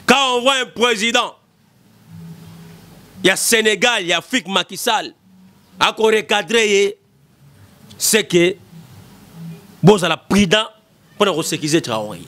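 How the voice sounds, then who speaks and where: A man's voice: sits high, expressive, measured pace, long pauses, bright, forceful tone. A man in his thirties with a Congolese accent, giving impassioned political commentary into a desk mic in a small studio, emphatic and repetitive. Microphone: desk mic in front.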